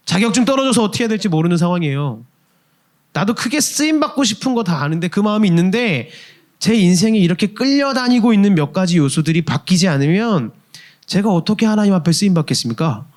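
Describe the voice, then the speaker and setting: A young man gives a lively, conversational sermon at a youth service. His voice sits high for a man. He throws questions to the congregation and voices the thoughts of the people he describes. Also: quick pace. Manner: acts out quoted inner voices. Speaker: youth pastor. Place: church service.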